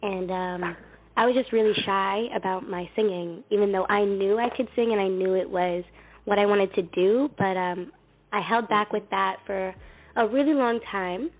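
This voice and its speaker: A woman's voice: medium pitch, moderate pace. Young woman, baby-like voice, casual answers, tinny phone line. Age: young adult. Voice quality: youthful baby-like voice. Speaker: singer guest.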